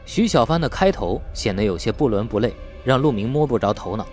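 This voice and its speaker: Animated male audiobook narrator. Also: mid-range voice, brisk, soft background music. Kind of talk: scripted novel narration with acted dialogue.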